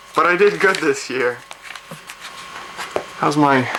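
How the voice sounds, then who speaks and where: The talking moves at a fairly slow pace against noticeable background noise. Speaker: vintage camcorder hobbyist vlogger. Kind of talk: casual vlog monologue. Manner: casual, rambling, self-interrupting.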